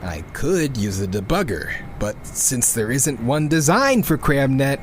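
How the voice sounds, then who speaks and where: A man's voice: medium pitch, big pitch swings, measured pace, slight background noise. A man playing a frustrated, sweary programmer in a sci-fi audio drama, talking in an exasperated way. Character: frustrated sweary male programmer on a doomed earth.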